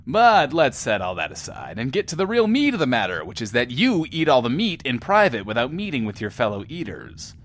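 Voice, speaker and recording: Animated, pompous radio host. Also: male voice, medium pitch, fairly quick, few pauses. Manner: theatrical, self-important, refers to himself in third person. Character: pompous, chatty male bunker-born post-apocalyptic radio host. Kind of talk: in-world radio show acting.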